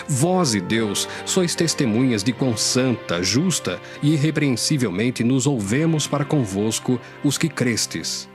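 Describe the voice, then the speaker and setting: A man with a Brazilian accent and a mid-range voice reads scripture for an audio Bible, solemn and declamatory, from a script. His intonation is lively and his delivery unhurried, with few pauses, while background music plays under his voice.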